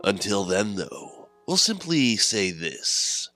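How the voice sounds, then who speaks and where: A man playing an ominous, theatrically courteous horror host, speaking in a drawn-out, grandiose manner for an audio anthology. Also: fairly low pitch, sing-song, pushed and bright, faint music behind, exaggerated voice. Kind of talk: scripted horror anthology sign-off.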